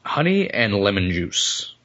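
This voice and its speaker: A male podcast co-host, hoarse and losing his voice after the flu, chatting casually and joking with frequent laughs. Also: on the low side, sing-song, a little slow, fairly bright tone, dull audio. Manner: joking, rambling, laughs often. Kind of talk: casual comedic chat.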